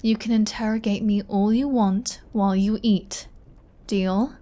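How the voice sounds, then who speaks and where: Female vampire played by a woman, unhurried delivery, flirty and sardonic, playfully bossy, for intimate roleplay audio drama. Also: medium pitch, fairly even intonation, warm tone, lightly acted. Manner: playful, teasing, dry, bossy.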